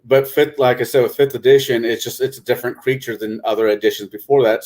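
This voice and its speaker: A man's voice: on the low side, darkish tone. A man on a podcast panel discussing casually, hesitantly circling back to rephrase his points.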